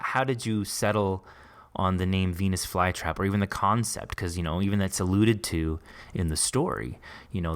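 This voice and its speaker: A man's voice: deep voice, fairly bright tone. A man hosting a podcast, talking casually as he interviews a guest. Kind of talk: casual behind-the-scenes interview.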